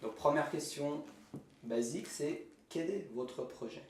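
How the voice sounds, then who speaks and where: A man's voice: fairly high pitch, a little slow, distant mic. A man hosting a casual interview, friendly and hesitant, with frequent fillers. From Moroccan heritage. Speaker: interviewer, channel host. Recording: roomy, off-mic, light hiss.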